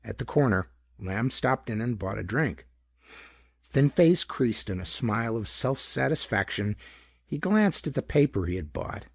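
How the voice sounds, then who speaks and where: A male narrator reads hardboiled pulp detective fiction. His voice is husky and moves widely in pitch, recorded very dry and close. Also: big pitch swings, a little slow, dry recording. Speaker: audiobook narrator.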